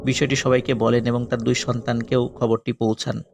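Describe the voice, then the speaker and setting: Gravelly male horror storyteller. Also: mid-range voice, little pitch movement, a little hiss or hum. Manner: dramatic pauses, swinging between loud and hushed. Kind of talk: scripted horror narration. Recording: loud music bed behind voice. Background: loud eerie music.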